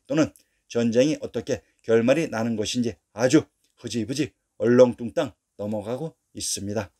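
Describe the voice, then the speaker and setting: A man narrating a scripted history lesson in a steady, declarative reading voice, posing rhetorical questions along the way. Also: medium pitch.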